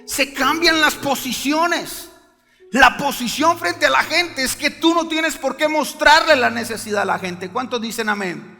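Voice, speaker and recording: A pastor preaching with a very high, bright voice that has a gravelly edge. His delivery is emphatic, and he keeps pressing the room for an amen. It sounds like a long-reverb church hall with faint music underneath. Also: unhurried. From Colombia. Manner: emphatic preaching, calls for amens. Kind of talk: sermon. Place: church sanctuary.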